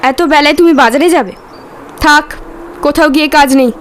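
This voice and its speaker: A woman's voice: high-pitched, normal speed, a little hiss or hum, natural voice. A woman playing a nagging, exasperated wife who scolds her husband in a cartoon. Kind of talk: domestic cartoon dialogue.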